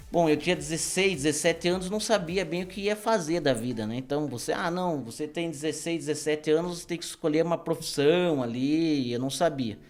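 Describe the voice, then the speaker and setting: A man talks through his life story as a podcast guest. His voice sits a little high for a man, and he tells it in a relaxed way, laughing easily. Soft music plays faintly behind him. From Brazil, grew up in Paraná. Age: 30s. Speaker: guest, engineering professor. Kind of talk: casual podcast interview.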